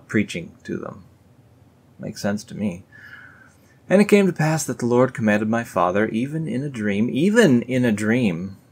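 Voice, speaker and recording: A man reading a religious text aloud and breaking off for dry, sarcastic comments in a casual tone. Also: lowish voice. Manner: sarcastic, dry asides after solemn read-aloud passages. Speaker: video host reading scripture aloud. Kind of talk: casual read-along with sarcastic asides.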